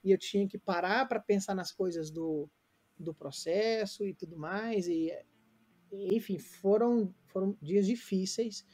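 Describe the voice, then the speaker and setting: Mellow-voiced Brazilian man in his late thirties. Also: high voice, measured pace. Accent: Brazilian Portuguese. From Brazil (Goiânia). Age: late 30s. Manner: earnest, reflective, many fillers and restarts. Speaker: interview guest. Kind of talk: casual remote interview, storytelling.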